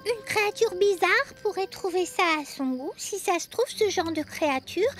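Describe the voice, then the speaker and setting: A woman's voice: very high voice, lively intonation, moderate pace. A woman voicing a curious, teasing little girl in a French cartoon dub, playful and suggestive. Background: music.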